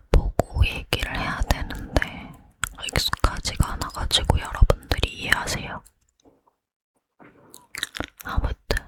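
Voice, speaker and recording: In this lightly acted ASMR piece, a woman leans in and whispers as a boy-crazy young woman preparing for a night out. Her hushed delivery is very slow, breathy and intimate, yet chatty and determined.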